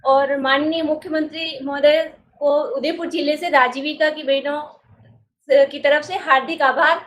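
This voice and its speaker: A woman from a self-help group giving a formal greeting that turns halting. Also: high voice, fairly even intonation, fairly bright tone, muffled recording.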